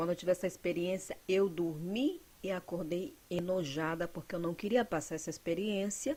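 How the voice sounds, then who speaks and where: An ordinary speaking voice from a woman, medium in pitch and speed, its pitch varying in a normal way. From northern Brazil, Pará. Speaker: evangelical preacher. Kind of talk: religious testimony.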